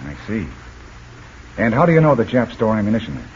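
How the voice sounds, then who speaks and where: Tough American jungle adventurer, brisk, low voice, muffled old radio recording. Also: male voice, very animated, a little mellow. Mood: determined. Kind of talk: 1940s radio acting. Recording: dull old radio recording, faint hiss.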